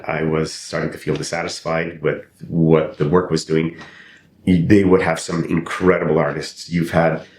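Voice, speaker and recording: Deep-voiced older man, roomy recording. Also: darkish tone. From Canada. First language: not English. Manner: thoughtful, with frequent restarts and repeated phrases. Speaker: podcast guest, actor and playwright. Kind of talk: reflective interview storytelling. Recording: roomy with faint rumble.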